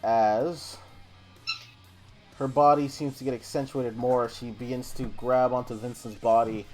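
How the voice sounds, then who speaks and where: A man's voice: mid-range voice, little pitch movement, moderate pace, soft background music. A man narrating a tabletop game as game master, rambling with many fillers.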